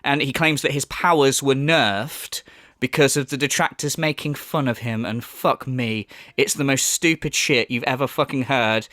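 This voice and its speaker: With a cold leaving his voice slightly off, this commentary vlogger mocks and jeers sarcastically, cursing and leaning on fillers. He speaks at normal speed in a medium pitch, bright and forceful, with fairly even intonation. It's recorded cleanly in a studio with no echo.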